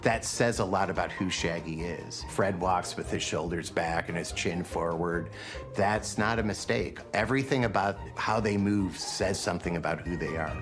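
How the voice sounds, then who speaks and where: A man speaking in a measured, assertive way in a documentary interview. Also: sits low, music in the background. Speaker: interviewee on animation.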